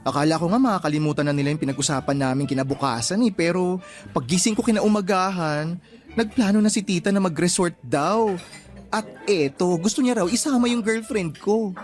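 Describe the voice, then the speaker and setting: A man's voice: sits high, fairly quick, faint music behind, natural voice. An actor playing a flamboyant, closeted young gay man who gossips and schemes in a radio drama, full of colloquial slang. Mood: confiding, worried. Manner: campy, sassy, gossipy storytelling.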